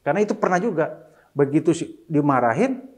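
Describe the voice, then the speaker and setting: A middle-aged man, interviewed as a single father, speaks a little fast in a slightly high voice. His tone is casual, he mixes in English, and he grows animated quoting his kids.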